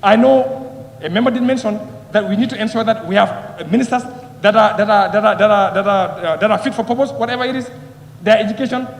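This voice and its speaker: In a parliament chamber with long, echoing reverb, a male member of parliament gives a fervent speech in a high voice at a slightly quick pace, repeating phrases and throwing out rhetorical questions.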